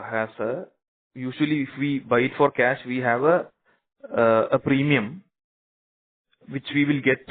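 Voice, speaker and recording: A man with an Indian accent, a company executive answering investor questions on an earnings conference call. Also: medium pitch. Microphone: conference call phone line. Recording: muffled narrow phone line.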